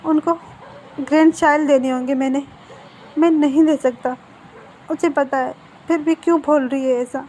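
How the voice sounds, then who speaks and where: A woman's voice: high-pitched, fairly even intonation, normal speed, pauses often, dark tone, slight background noise, natural voice. A woman voicing a tearful, anxious young man. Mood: tearful, pleading. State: crying.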